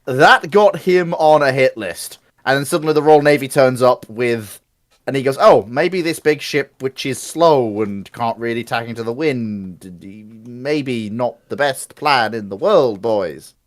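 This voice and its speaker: A man's voice: mid-range voice, a little slow. A man on a discussion panel, chatting casually and explaining history.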